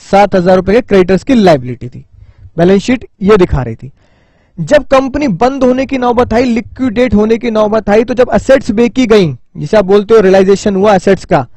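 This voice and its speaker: A man from India teaching a commerce class as a lively story, often asking his students questions. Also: high voice, no echo. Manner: dramatic storyteller, constant rhetorical questions to students. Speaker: commerce lecturer. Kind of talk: classroom lecture told as a story.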